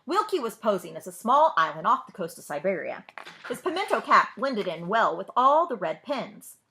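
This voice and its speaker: A woman reading a storybook aloud to children as a librarian, with expressive narration. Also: medium pitch, moderate pace, a little hiss or hum.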